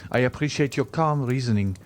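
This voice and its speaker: A man's voice: medium pitch, a little fast, pitched above the performer's own voice, close to an everyday voice. Man playing a proud, desperate young lover. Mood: sorrowful. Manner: earnest, formal, intense. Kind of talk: dramatized audiobook reading of a classic novel.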